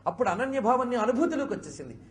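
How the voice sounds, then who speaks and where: High-voiced man giving a devotional discourse. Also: big pitch swings, rapid-fire. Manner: explains with many rhetorical questions; chiding, conversational. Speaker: spiritual speaker.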